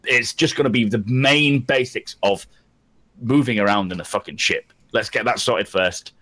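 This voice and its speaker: A man's voice: medium pitch, normal speed, sharp tone. A man talking casually as a panellist on a gaming podcast. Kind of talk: casual panel discussion about a video game.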